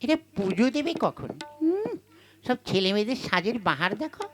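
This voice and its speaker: A performer plays an impatient, hungry goddess in a comic folk puppet show. She grumbles and scolds with indignant, earthy bluntness. Loud music sits behind her voice. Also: mid-range voice, very animated, normal speed, lightly acted. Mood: impatient grumbling. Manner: grumbling, scolding, corrects sharply. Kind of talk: Bengali folk puppet comedy acting.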